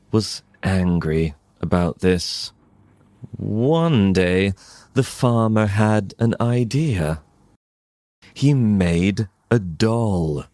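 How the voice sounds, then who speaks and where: A British man telling a story as an English teacher, with deliberate, simple phrasing and frequent pauses for learners. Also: deep voice, darkish tone, dry recording, studio quality.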